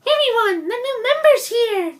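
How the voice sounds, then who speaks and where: A very high, squeaky schoolgirl, bubbly and airheaded. She is loud and excitable, like a game character, with faint music behind. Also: normal speed. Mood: excited.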